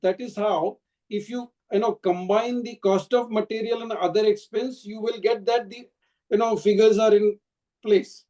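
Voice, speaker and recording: A man with an Indian accent answering questions as a company executive on a conference call, explaining in halting, restarted phrases. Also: high voice, fairly even intonation, warm tone. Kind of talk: earnings call answers, spontaneous speech.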